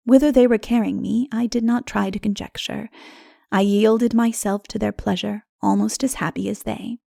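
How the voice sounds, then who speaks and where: A woman narrating a literary fantasy audiobook in a measured, dramatic storytelling manner. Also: medium pitch, fairly even intonation, vocal fry, mellow, no echo, studio quality.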